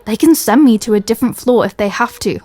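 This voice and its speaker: Woman playing an exasperated superhero, higher mellow voice. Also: fast, no echo, close to an everyday voice. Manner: dry, irritated, sarcastic. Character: exasperated, sardonic superhero woman, fed up with her nemesis. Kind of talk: comedy audio roleplay acting.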